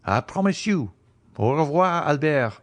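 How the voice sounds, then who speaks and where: A man voicing an urbane, inquisitive young Parisian gentleman in an audiobook, with a polite, witty, teasing manner. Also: a little high, expressive, measured pace, pitched above the performer's own voice. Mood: breezy. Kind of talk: audiobook character dialogue.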